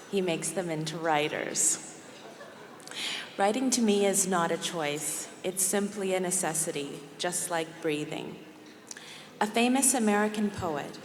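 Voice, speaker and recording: A woman reads a formal acceptance speech in a measured, careful tone. Her voice is a bit low and carries an echoey, long reverb from the banquet hall around her. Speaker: reading an acceptance speech for someone else.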